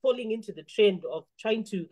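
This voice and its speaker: A Zimbabwean woman speaks as a musician being interviewed. Her voice sits at a medium pitch, and she explains her views earnestly in a conversational style. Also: fairly quick, dark tone.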